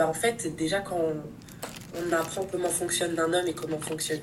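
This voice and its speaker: Against noticeable background noise and audible room echo, a woman speaks at a moderate pace with fairly even intonation. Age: 20s. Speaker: coaching client. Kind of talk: testimony.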